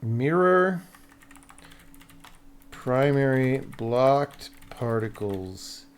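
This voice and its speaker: While coding a game on a live stream, a man with a mid-range voice and clean tone muses aloud in short fragments, animated and drawing out his words. He's blunt and sardonic, swearing casually throughout his offhand commentary.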